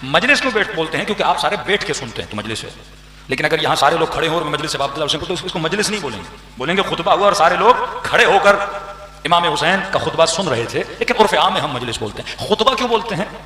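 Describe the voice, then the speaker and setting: A preaching man, his voice high and ringing bright. He keeps tossing questions out to the crowd and answering them himself, pressing each point with emphasis. The sound carries a long, roomy echo from the hall. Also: expressive, fast, slight background noise. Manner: rhetorical questions to the audience, emphatic build-ups. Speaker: cleric giving a majlis address. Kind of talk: religious sermon. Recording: echoey hall with long reverb.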